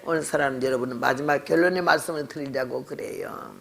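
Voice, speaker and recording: A woman's voice: extremely low pitch, quick pace, gravelly. An older woman missionary preaching a sermon, telling a story in a blunt, scolding way. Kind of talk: sermon with testimony.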